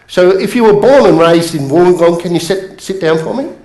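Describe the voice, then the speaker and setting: An energetic Australian man on stage at a business seminar, joking with the crowd. His slightly high voice rings around a large echoey room. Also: a little fast. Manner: energetic, jokey, addresses the crowd. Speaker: motivational speaker. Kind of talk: motivational seminar talk.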